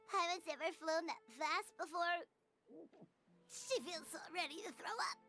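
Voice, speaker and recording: A woman voicing a tiny childlike fairy companion in a video game, excitable and whiny, exclaiming in a squeaky voice. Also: exaggerated voice. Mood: queasy whining. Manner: refers to self in third person, squeaky exclaiming.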